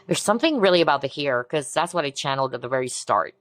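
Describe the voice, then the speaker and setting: Give me a woman with a low voice doing a soft, reassuring tarot reading, recorded dry and close. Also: expressive, quick pace, no echo. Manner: soft-spoken, reassuring, exclamatory. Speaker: tarot reader. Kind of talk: pick-a-card tarot reading.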